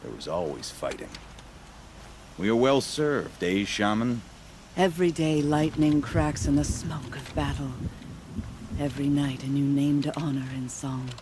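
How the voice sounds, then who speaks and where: An actor playing a proud, hardened tribal hunter, speaking solemnly and sternly in a video game cutscene. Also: male voice, mid-range voice, unhurried, noisy background, lightly acted.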